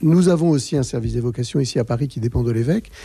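Lively intonation from a man with a dark, mellow tone, a somewhat breathy quality and medium pitch. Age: 50s. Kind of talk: interview. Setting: office. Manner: halting.

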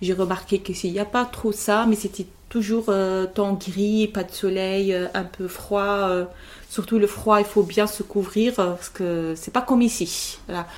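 Speaking very slowly with a Tunisian accent, a woman holds a medium pitch in a monotone, flat intonation. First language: Tunisian Arabic (speaking French). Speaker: baker. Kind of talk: interview testimony. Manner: halting, many hesitations and repetitions.

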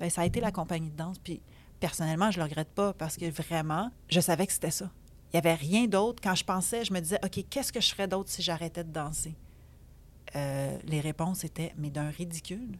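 A woman with a plain, everyday voice speaks at a fairly quick pace. Her pitch is fairly low, with ordinary pitch variation. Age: 50s. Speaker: choreographer and dance school founder. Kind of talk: casual interview.

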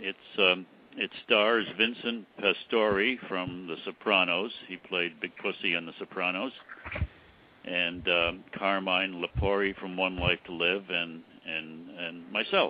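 A man speaks very slowly with a very deep, low pitch and fairly even intonation. Noticeable background noise sits behind him. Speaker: actor. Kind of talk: casual interview chat, promoting a film. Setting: phone call.

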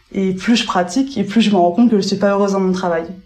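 Audible room echo surrounds a woman whose medium-pitched voice keeps fairly even intonation. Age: 30s. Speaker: Buddhist practitioner sharing her story. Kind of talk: testimony. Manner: hesitant, many fillers.

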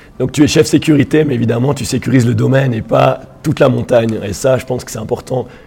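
Against noticeable background noise, a man talks at a very fast pace and medium pitch. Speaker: podcast host. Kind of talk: casual interview. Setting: on location, outdoors then indoors.

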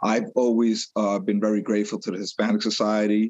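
The speaker is a man with a New York accent. He keeps a moderate pace. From New York City, Brooklyn. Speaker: police detective sergeant. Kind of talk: casual interview.

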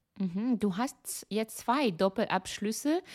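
With a French accent and lively intonation, a woman is heard in a dry, close sound with no echo on a very clean recording with a silent background. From France. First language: French (speaking German). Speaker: podcast host, journalist. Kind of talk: interview.

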